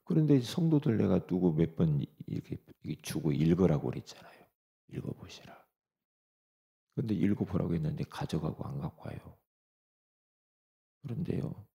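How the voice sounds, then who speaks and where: A middle-aged male pastor preaching a sermon, swinging between soft asides and loud exhortation. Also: sits low, big pitch swings, fairly quick, creaky, lo-fi sound.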